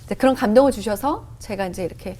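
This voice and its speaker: A woman telling her faith testimony as a guest on a Christian talk show, an animated storyteller, recorded in a television studio. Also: mid-range voice, fast, slight background noise. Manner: animated storyteller who acts out her own past outbursts.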